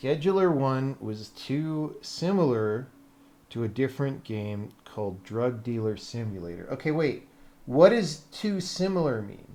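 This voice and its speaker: A man streams himself developing a game, chatting loosely and reasoning out loud, often muttering questions under his breath. The delivery is expressive and unhurried, with a warm tone at medium pitch.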